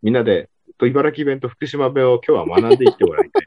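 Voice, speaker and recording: A man with an Ibaraki accent, hosting a casual podcast chat with quick jokes and frequent laughter. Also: mid-range voice, lively intonation, dry recording, highs cut off. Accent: Ibaraki dialect. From Ibaraki, Japan. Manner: quick, joking, laughing often. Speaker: podcast host.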